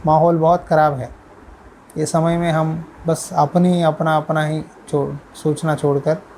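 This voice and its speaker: Earnest pastor preaching. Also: male voice, fairly high pitch, a little mellow, a little hiss or hum, low-quality recording. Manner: earnest exhorting, repeats key words. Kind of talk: sermon.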